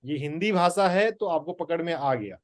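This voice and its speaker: A man teaching the Gita in a spoken talk, slow and deliberate with emphatic pauses. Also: fairly high pitch, expressive, no room sound, clean studio sound.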